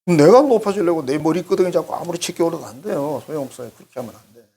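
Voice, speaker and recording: A man's voice: on the high side, lively intonation, fast talker, warm tone, breathy edge. A middle-aged male pastor, preaching a sermon in a chatty, joking way and acting out small dialogues. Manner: conversational, joking, acts out little dialogues. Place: church sanctuary.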